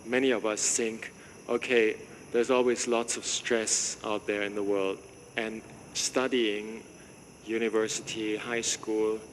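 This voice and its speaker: The speaker, a monk with a fairly low voice, welcomes visitors to his monastery with easygoing talk, frequent jokes, chuckles and questions. There's a little hiss or hum, and the room is reverberant with faint ambience.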